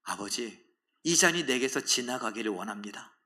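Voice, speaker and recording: A man voicing an anguished grown man who pleads in prayer to be spared from death, drawn-out and trembling. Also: mid-range voice, animated, pushed and bright, pitched below the performer's own voice. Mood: anguished pleading.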